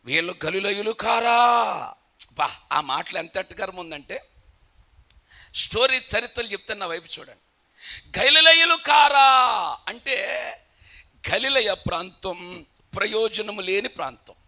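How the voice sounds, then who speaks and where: A man preaching a sermon, telling humorous stories and building to loud, emphatic declarations. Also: high-pitched, a little slow, long pauses.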